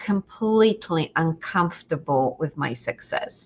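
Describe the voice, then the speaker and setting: Speaking at a fairly slow pace, a woman with a Polish accent has a fairly low pitch and ordinary pitch variation. The background is quiet. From Poland. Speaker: business coach. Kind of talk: interview.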